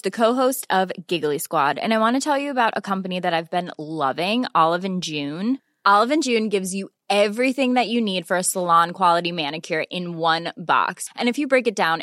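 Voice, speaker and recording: A woman's voice: fairly low pitch, a bit bright, dry recording, clean studio sound. A woman reading a podcast ad with upbeat enthusiasm. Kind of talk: read ad.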